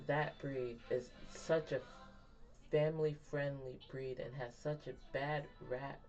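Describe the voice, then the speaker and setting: A woman's voice: extremely low pitch, fairly even intonation, slow pace, a little mellow. A woman in her thirties chatting candidly to her viewers in a rambling way, often laughing at herself. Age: 30s. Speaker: vlogger. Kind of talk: candid personal chat to viewers. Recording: dull lo-fi sound, faint music behind.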